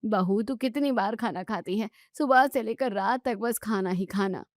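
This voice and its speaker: Woman doing a nagging mother-in-law, sharp and scolding, dry close sound. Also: mid-range voice, moderate pace, no echo, close to an everyday voice. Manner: scolding, demanding. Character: sharp-tongued middle-aged mother-in-law, suspicious.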